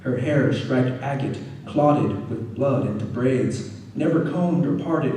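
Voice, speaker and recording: Guy reading his poems at a live event, mellow voice, sounds far off in a big echoey room. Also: mid-range voice, slow pace. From Arizona, United States. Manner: relaxed chatty asides, animated when reading. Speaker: poet. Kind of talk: poetry reading. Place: poetry reading venue. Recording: roomy hall from a distance, faint noise.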